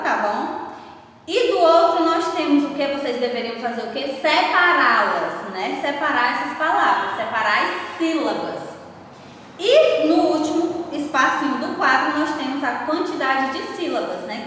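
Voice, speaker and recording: A woman's voice: high-pitched, a bit bright. A woman teacher with a Brazilian Portuguese accent, patiently going through a lesson and checking in with her class. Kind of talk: slow spoken class lesson. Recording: echoey room, far from the mic, faint noise.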